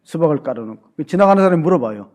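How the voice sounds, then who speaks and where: High-voiced pastor preaching with humor. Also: male voice, lively intonation, very fast, darkish tone. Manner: conversational and humorous, questions the congregation. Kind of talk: sermon. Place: church sanctuary.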